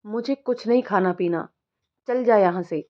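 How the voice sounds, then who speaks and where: A woman's voice: medium pitch, moderate pace, muffled recording, close to an everyday voice. A woman voicing an ailing, stubborn old grandmother in a storybook reading, coaxing and scolding her grandson.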